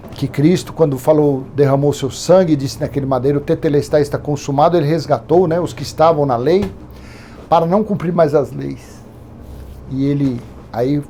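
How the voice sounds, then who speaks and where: Brazilian man, 50s, high mellow voice; loose, digressive Bible-study teacher with a faint hiss underneath. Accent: Brazilian Portuguese. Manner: rambling, conversational, with digressions and repetitions.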